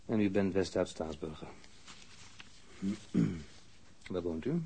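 Stern police investigator, lowish voice, dry authority and formal phrasing. Radio drama, faint noise. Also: male voice, creaky, dark tone, full character voice. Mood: formal, probing. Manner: formal, measured, insistent. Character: stern, composed male police investigator, probing and dryly authoritative. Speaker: police interrogator. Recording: noisy archived radio drama recording.

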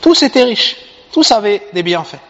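A male preacher tells a story in sermon style with a high voice, often quizzing his audience. His voice sounds dull and muffled. The long echo of a large hall surrounds it. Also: normal speed. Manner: animated, asks the audience questions.

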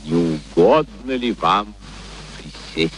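Bossy impatient professor in an old radio play, sardonic, voice jumps all over, bit of background noise. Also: male voice, sits low, expressive, slow. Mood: imperious. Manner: peremptory, sardonic, exclamatory. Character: imperious, eccentric, impatient male phonetics professor, mocking. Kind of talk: theatrical radio play acting.

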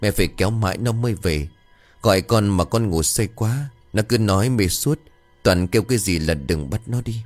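A man's voice: lowish voice, normal speed, soft background music, lightly acted. Man reading as a worried older mother. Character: worried elderly mother-in-law.

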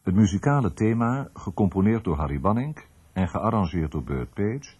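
A man with a deep, dark-toned and slightly rough voice. He delivers a formal scripted radio announcement, reading it out as a closing credit. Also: animated, normal speed.

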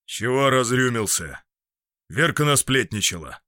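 A man voicing a gruff, condescending host who talks down to a guest. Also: mid-range voice, sing-song, measured pace, bright, forceful tone, no room sound, clean studio sound.

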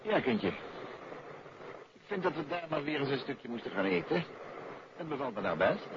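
An actor playing a suave, courteous detective and teasing husband in a 1950s Dutch radio play. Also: male voice, fairly high pitch, sing-song, normal speed, background noise. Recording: dull old radio recording, music behind.

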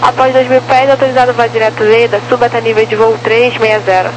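Brief: Brazilian female controller, fairly high voice, clipped procedural delivery, crackly radio static. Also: fairly even intonation, fast talker. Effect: crackly aviation radio. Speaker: air traffic controller. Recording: noisy crackly aircraft radio channel.

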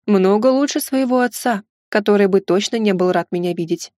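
Woman narrator voicing older Chinese courtier, courteous, measured, dry recording. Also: medium pitch, dark tone, no echo, natural voice.

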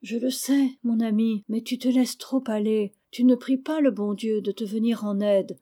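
Woman reading as a gentle blind girl. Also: on the high side, steady tone, moderate pace, close to an everyday voice. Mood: earnest. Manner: soft, tender, earnest.

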